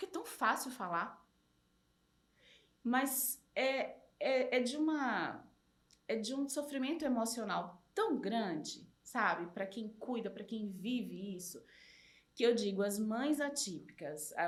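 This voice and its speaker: With long, frequent pauses, a woman speaks at a very slow pace using lively intonation. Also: fairly high pitch for a woman. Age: 40s. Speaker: journalist. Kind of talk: interview answer.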